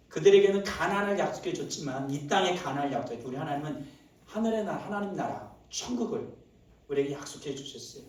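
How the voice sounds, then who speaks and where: A male pastor preaching a Sunday sermon, swinging from low murmurs to loud, shouted exclamations and asking the congregation rhetorical questions. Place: church sanctuary. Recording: very echoey church hall, mic at a distance.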